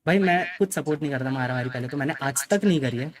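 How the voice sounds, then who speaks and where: A man's voice: medium pitch, fast talker, a crowd in the background. A young man telling his viewers a story in a casual way. He talks emphatically, mixes English phrases into his speech and keeps dropping in "okay" as a filler. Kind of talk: casual spoken account to viewers.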